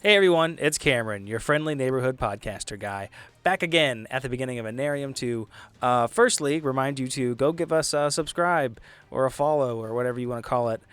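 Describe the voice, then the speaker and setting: A man's voice: mid-range voice, brisk, fairly bright tone, smooth, no echo, faint music behind. A man speaking casually as a podcast host, chatting to listeners and fellow players.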